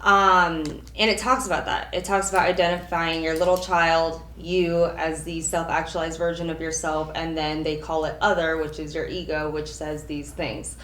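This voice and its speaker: A woman's voice: low voice, flat delivery, moderate pace, few pauses, a bit bright, roomy sound, a little hiss or hum. A young woman in couples counseling, reflective and a little hesitant as she shares. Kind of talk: casual talk in a session.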